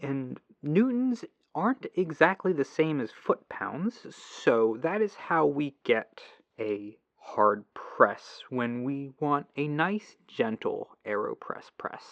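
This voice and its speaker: A man playing a patient, earnest tech-support agent in a gentle, reassuring ASMR phone roleplay, through a lo-fi telephone filter. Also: medium pitch, lively intonation, slow pace, creaky, few pauses, no echo, exaggerated voice. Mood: apologetic, explaining. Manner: gentle, reassuring, apologetic, musing to himself. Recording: lo-fi muffled telephone sound.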